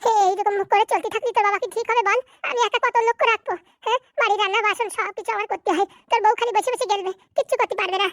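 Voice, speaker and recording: A performer playing a bossy, scheming older village mother in a cartoon comedy. She scolds in a very high, squeaky voice at a breakneck pace. The sound is dry and close. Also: fairly even intonation, dry recording. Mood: scolding. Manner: scolding, rapid and high-pitched.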